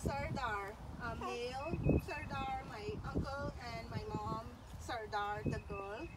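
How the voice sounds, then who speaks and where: Speaking as a daughter remembering a parent, a woman with a high-pitched voice delivers a personal eulogy at a slow pace. She sounds faltering and tender, reverent, moving in short, careful phrases. Background noise is clearly audible.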